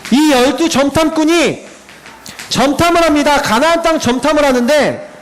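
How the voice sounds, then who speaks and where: A middle-aged male pastor preaching to a youth group in a lively, animated way, telling stories and laughing. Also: very high-pitched, moderate pace, poor audio.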